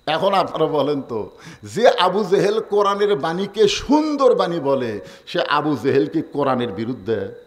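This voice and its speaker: High-pitched, animated preacher shouting. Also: male voice, a little slow. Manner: swings between low storytelling and loud shouted exhortation; asks the crowd to answer back. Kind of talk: waz sermon.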